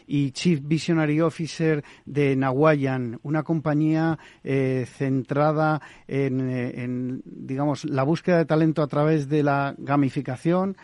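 A man hosts a podcast interview, his voice slightly above average in pitch. He speaks in a halting way with frequent fillers as he introduces guests and poses questions. The sound is dry and close. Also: steady tone, darkish tone, dry recording. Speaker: podcast host. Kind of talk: hosting an interview.

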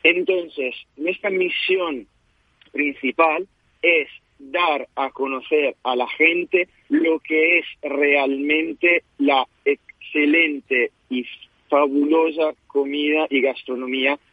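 Italian guy on a phone line, bit higher voice, lots of ehs, laughs easy, dry tinny sound. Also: slow pace, no echo. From Italy. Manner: hesitant, many fillers, laughs easily. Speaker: restaurant co-founder guest. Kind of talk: casual interview by phone.

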